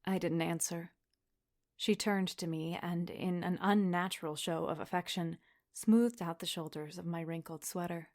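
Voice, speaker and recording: Woman as a guarded, low-voiced Catholic schoolgirl. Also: fairly even intonation, moderate pace, darkish tone, natural voice. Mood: tense, reflective. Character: guarded teenage Catholic schoolgirl, narrating her memories. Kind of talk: first-person audio drama narration and dialogue.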